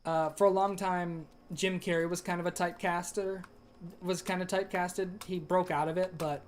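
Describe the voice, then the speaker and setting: A man's voice: high voice, little pitch movement, moderate pace. A young man streaming a game, chatting casually and rambling through ideas with a dry throat. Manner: rambling, lots of fillers and restarts. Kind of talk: casual gaming stream chat.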